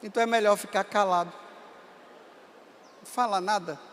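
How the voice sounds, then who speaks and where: High-pitched preaching priest in reverb. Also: male voice, fairly even intonation, moderate pace, slight background noise. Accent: Bahia, Brazil. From Brazil. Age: 50s. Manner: storytelling, rising to impassioned shouting. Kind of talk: sermon. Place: large hall at a camp gathering. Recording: long reverb of a large hall.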